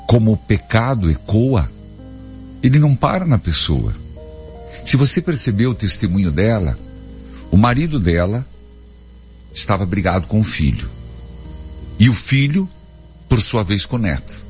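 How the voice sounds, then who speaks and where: A man's voice: on the low side, big pitch swings, normal speed, pauses often, darkish tone. A Brazilian man, a Catholic priest hosting a radio call-in show, preaching in an emphatic, colloquial, fatherly scolding manner full of rhetorical questions. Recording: radio broadcast with faint music behind. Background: faint music.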